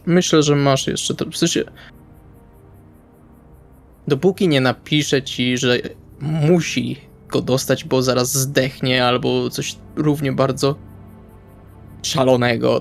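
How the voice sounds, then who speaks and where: A man's voice: medium pitch, vocal fry. A man playing a tabletop role-playing game, improvising dialogue and narrating his actions casually in colloquial speech. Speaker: tabletop RPG player.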